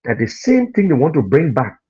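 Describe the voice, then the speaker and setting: Fiery Liberian man, husky lo-fi broadcast. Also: a little high, wildly swooping pitch, brisk, warm tone. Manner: preachy, scolding, repeats points for emphasis. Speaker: radio and TV commentator. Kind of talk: impassioned political commentary.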